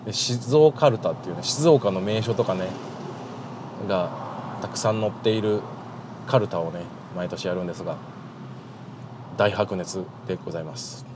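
A man from Shizuoka, Japan, hosting a casual solo podcast in very polite Japanese, softened with chatty fillers. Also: low voice, normal speed, pauses often. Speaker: podcast host, greengrocer. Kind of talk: casual solo radio-style chat. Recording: noisy, with car and outdoor street sounds.

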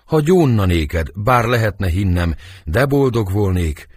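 A man reading the part of Montague, a worried older nobleman and father, in measured, troubled verse for an audiobook. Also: lowish voice, lively intonation, husky, no echo.

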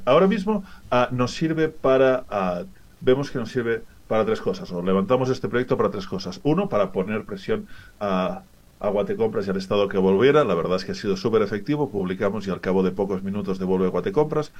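A man from Barcelona, with a Spanish accent tinged with Mexican, speaking as a guest in a radio interview and explaining his project in a lively, chatty way. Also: lowish voice, brisk, dull audio. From Barcelona, Spain. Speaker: guest, director of a data project. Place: remote from another city, away from the studio.

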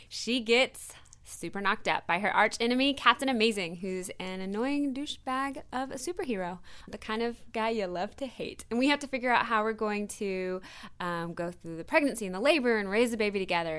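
Smooth-voiced actress, upbeat guest. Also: female voice, medium pitch, fairly bright tone. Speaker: web series actress, interview guest. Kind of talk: casual interview.

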